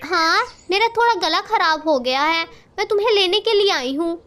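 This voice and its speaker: A woman's voice: very high-pitched, lively intonation, normal speed, a bit bright, a little hiss or hum. A woman voicing a hungry, scheming female kite bird in a cartoon story, coaxing and sly.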